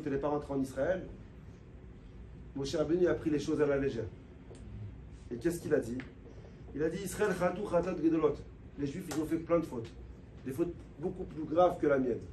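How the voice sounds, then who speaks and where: Impassioned high-voiced preacher, echoey room. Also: male voice, distant mic, slight background noise. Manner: impassioned, swings from low and quiet to loud and high; addresses the listeners directly, repeats phrases for emphasis. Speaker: rabbi. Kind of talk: sermon. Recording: echoey room with faint background ambience.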